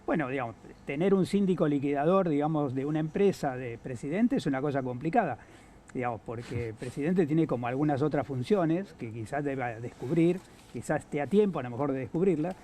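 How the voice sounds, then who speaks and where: A man with an Argentine accent, giving analysis on a political talk show, halting with many fillers and restarts. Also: fairly high pitch, animated, mellow. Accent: Argentine Spanish. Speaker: guest analyst.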